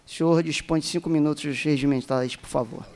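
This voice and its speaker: Brazilian man chairing, slightly high voice. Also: fairly even intonation, a little fast, a little mellow. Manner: procedural, courteous. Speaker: committee chair. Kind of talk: chairing a public hearing.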